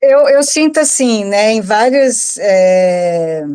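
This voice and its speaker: Lively intonation colors speech delivered at a very slow pace. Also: woman. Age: 60s. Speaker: spiritual workshop co-host. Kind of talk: live online class conversation. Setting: YouTube livestream. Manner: halting, with many fillers and repetitions.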